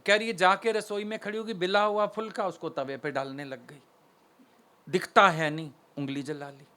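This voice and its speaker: A man's voice: sits high, steady tone, normal speed, pushed and bright. A male spiritual preacher giving a devotional sermon, animatedly acting out household dialogue while telling stories. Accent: Delhi Hindi.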